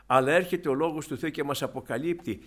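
An older man preaching a sermon to his congregation, exhorting them with rhetorical questions and often calling them beloved brothers. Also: a little high.

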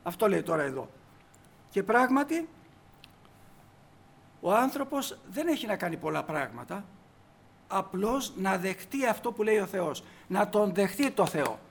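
A man's voice: high-pitched, sing-song, gravelly, pauses often. A man preaching a sermon emphatically, putting rhetorical questions to the congregation.

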